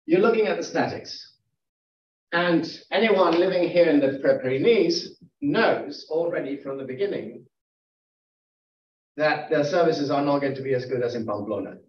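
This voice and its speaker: A man's voice: on the high side, normal speed. Man asking probing questions in an echoey room. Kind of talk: academic Q&A discussion. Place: lecture room. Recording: echoey, distant, dull room recording.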